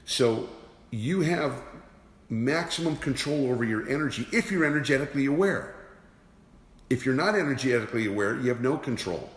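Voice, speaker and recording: A man whose mid-range voice has lively intonation delivers a motivational talk as an energy awareness teacher, moving at a moderate pace. He stresses his points and repeats rhetorical questions, and the room gives off a long reverb.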